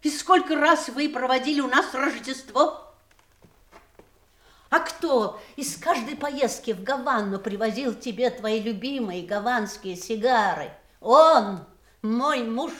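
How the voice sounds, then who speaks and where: A proud wife at her dying husband's side, in a high-pitched voice. She is bitter and coldly ironic, pressing each point in the theatrical manner of Soviet audio drama. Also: fairly bright tone.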